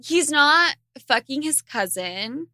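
A woman's voice: sits high, expressive, slow pace, pushed and bright, no room sound, studio quality. A young woman hosting a casual podcast, reading out listener questions and answering bluntly, with crude jokes and frequent laughter. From Argentine family. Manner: blunt, crude, laughs often while talking. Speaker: podcast host.

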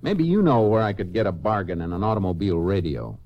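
A man playing a calm, shrewd American Texas Ranger, dry and authoritative, in a 1950s western radio drama. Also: fairly low pitch, fast talker, muffled recording. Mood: dry, probing. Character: calm, shrewd male Texas Ranger, dryly probing suspects.

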